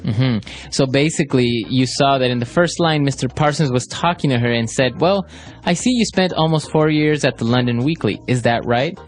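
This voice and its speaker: A man's voice: medium pitch, normal speed, faint music behind. A man co-hosting an English lesson podcast, leading segments and affirming his partner. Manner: leads segments, affirms often. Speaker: co-host, English teacher. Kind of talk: language lesson podcast chat.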